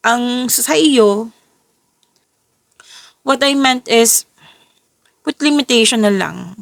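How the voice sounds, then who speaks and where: A woman talks through a tarot reading, her voice a little worn and tired today. Her tone has a gravelly, creaky texture, recorded close and dry. She keeps catching herself and rephrasing as she goes. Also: on the high side, very slow, no echo. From Philippines. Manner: self-correcting, restarts and rephrases as she goes. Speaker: tarot reader. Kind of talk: casual tarot reading, mixing English and Tagalog.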